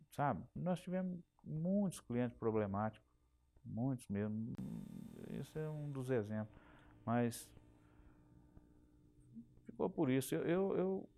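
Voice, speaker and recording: A middle-aged interviewee with a Minas Gerais Brazilian Portuguese accent, who worked as a telephone company technician, talks about his working life in an oral history interview. His mid-range voice is mellow, and he often repeats and restarts words.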